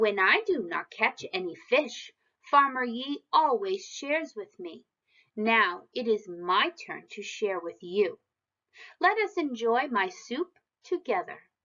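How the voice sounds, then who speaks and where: This is a put-on character voice with very wide pitch swings. It moves at a fairly slow pace. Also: woman, high pitch for a woman. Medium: read story.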